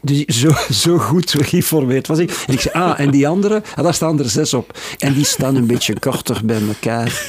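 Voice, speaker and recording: A man's voice: mid-range voice, moderate pace, few pauses, a little hiss or hum. A man with a Flemish Belgian accent chatting casually and colloquially as a musician guest, often interrupting himself while telling anecdotes.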